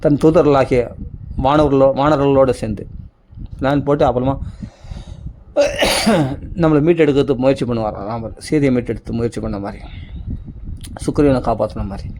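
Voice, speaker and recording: A man's voice: mid-range voice, normal speed, pauses often, mellow, a little hiss or hum. A man giving a devotional discourse, emphatic and repetitive, asking many rhetorical questions. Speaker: religious speaker.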